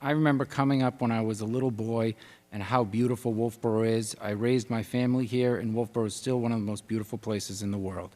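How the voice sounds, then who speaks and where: A man's voice: mid-range voice, a little mellow. Earnest male candidate in a reverberant hall. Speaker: candidate for town board. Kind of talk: forum closing statement. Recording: echoey hall with long reverb.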